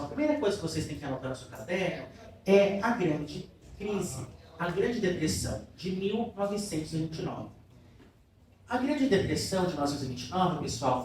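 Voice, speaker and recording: High-voiced man teaching in an echoey room. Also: darkish tone. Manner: keeps checking in with students, asking questions; affectionate with the class. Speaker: literature teacher. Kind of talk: classroom lecture. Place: classroom in a cultural center. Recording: very echoey room, voice from far off, faint noise.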